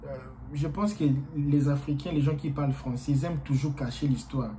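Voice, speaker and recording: A man whose first language is Portuguese, talking casually to his viewers as a YouTuber in a rambling, halting way with many fillers. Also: a little high, mellow, slight background noise, poor audio.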